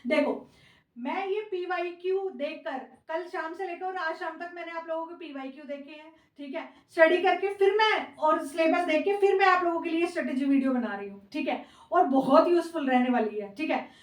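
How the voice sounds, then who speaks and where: A woman's voice: very high voice, normal speed. Female coaching teacher, fond but scolding, recorded from a distance in a roomy space. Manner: scolding yet affectionate, calls students "beta", mixes English words. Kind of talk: casual classroom lecture. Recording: echoey room, voice from far.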